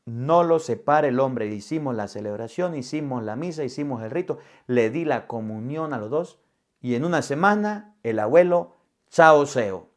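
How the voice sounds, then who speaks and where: A man's voice: mid-range voice, lively intonation, normal speed. A middle-aged male priest giving a sermon, telling a personal story and acting out the dialogue vividly. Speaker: Catholic priest.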